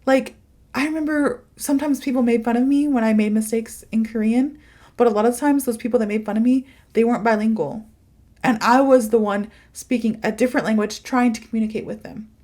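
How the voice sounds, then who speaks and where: A native English-speaking woman who teaches English hosts a casual motivational podcast in a teacherly way, chatty and informal with emphatic phrasing and giggly asides. Her voice is fairly high-pitched, a little fast and dark in tone.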